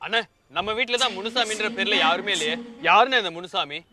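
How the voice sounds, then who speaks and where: Man, comic sketch lead, raised pitch, quick comebacks. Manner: quick retorts, teasing. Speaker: aspiring film hopeful in a sketch. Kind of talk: comedy sketch acting. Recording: loud music under speech.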